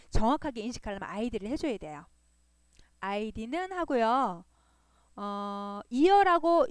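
In a screen-recorded web design tutorial, a woman with a fairly high, slightly mellow, clean voice teaches patiently, going over points again and regularly checking in with "그죠?". There is no room sound.

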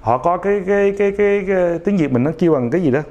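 A man giving a casual motivational talk to young viewers. He speaks haltingly, with many fillers, an imperfect accent, and a frequent "ok?". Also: high voice, lively intonation, a little mellow, dull audio.

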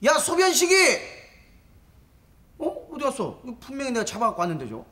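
An actor playing an excitable, clownish young male constable in a period TV sitcom. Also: very high-pitched, fairly quick, slight background noise, full character voice. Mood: excited. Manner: loud, overwrought, clowning. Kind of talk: slapstick sitcom acting. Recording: television sitcom with music behind.

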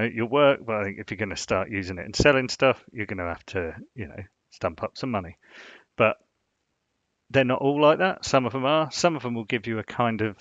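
A man's voice: mid-range voice, fairly bright tone, no echo. A man hosting a casual screen-share design tutorial, rambling and filling gaps with "you know". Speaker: design channel host. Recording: dull, dry lo-fi sound.

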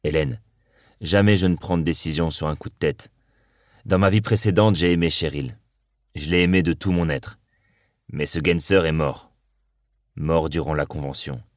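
A man's voice: a bass voice, moderate pace, long pauses, dry recording, studio quality. A man voicing a weary, resolute cop. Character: weary male cop torn between two women.

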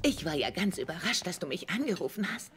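Gushing, swooping sitcom date. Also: female voice, fairly low pitch, big pitch swings, fast, over loud music. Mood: gushing, flirty. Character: gushing, clingy, eccentric woman on a date. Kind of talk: German sitcom dubbing.

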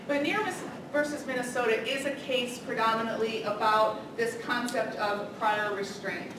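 A middle-aged woman giving a public lecture as a political science professor, loud, energetic and chatty. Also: on the high side. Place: large carpeted meeting room, indoors. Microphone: room camera from the back. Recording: echoey room from far off, noisy.

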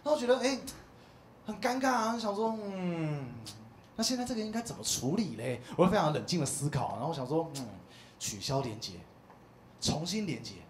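Animated man doing stand-up, echoey club. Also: high-pitched, moderate pace. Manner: animated storytelling, acts out quoted voices. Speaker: stand-up comedian. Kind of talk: stand-up comedy set. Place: small comedy club stage. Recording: echoey comedy club with faint noise.

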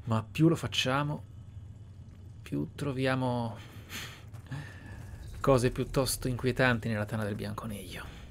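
A man narrating a video game playthrough in a measured, deliberate, theatrical way. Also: medium pitch, creaky, slight background noise. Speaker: gaming channel host. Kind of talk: Let's Play roleplay narration and commentary. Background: video game ambience.

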